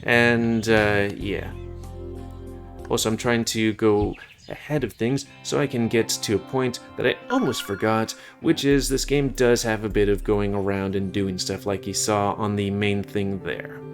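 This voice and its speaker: A man's voice: fairly low pitch, fairly even intonation, measured pace, faint music behind. A man casually chatting about games he plays, rambling and often interrupting himself. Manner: rambling and self-interrupting, with fillers. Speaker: gaming video host. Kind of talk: casual game review over gameplay.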